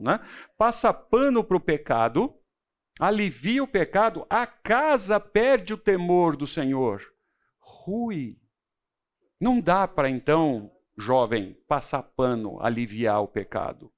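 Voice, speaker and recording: A middle-aged man teaching a church Bible class, preacherly and emphatic, mixing personal stories with rhetorical questions. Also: lo-fi sound. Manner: preacherly, emphatic, shifting between low intensity and loud stress.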